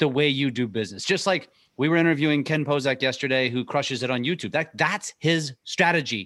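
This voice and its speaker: Over a quiet background, a man with an American accent and an unremarkable speaking voice talks at a fairly high pitch. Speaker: podcast host. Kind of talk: casual interview, ad reads.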